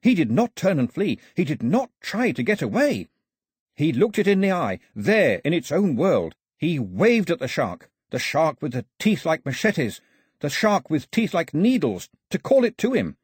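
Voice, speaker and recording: A man voicing an excitable, nervous young boy who tells a tale in a high, dramatic voice. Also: brisk, few pauses, husky, no room sound, clean studio sound. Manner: breathless, dramatic, high-pitched.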